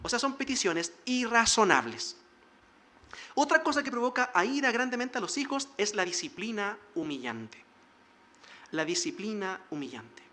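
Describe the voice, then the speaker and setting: A male pastor delivers a sermon in a high, ringing voice. He exhorts the congregation earnestly and slips into short acted lines of dialogue to make his point. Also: sing-song, moderate pace, pushed and bright. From Chile.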